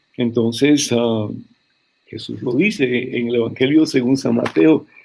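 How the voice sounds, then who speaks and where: At a medium pitch, a man speaks in a dark, mellow tone. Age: 70s. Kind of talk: interview.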